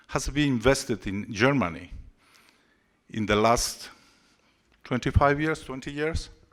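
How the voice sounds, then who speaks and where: In a very clean recording with a silent background, a man with a non-native accent speaks at a medium pitch with lively intonation. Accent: non-native English speaker. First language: Spanish. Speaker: company CEO, engineer. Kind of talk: conference panel talk. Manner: halting.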